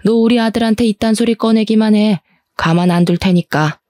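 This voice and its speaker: A woman voicing a cold, scornful older mother-in-law who scolds slowly and with contempt. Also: warm tone, dry recording, studio quality, close to an everyday voice. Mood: hostile. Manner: slow, low, contemptuous scolding.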